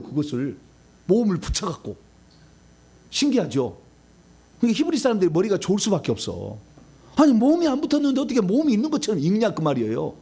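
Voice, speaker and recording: A man's voice: high voice, breathy edge. A middle-aged male pastor giving a teaching sermon, quizzing his listeners and laughing at his own slips. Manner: animated teaching, asks the audience questions, laughs at own slips. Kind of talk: sermon lecture.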